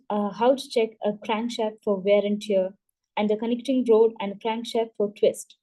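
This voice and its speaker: Woman reading a memoir out loud for a book club, mellow tone, steady, trips on a word here and there. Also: a little high, low-quality recording. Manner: steady read-aloud pace with occasional stumbles and restarts.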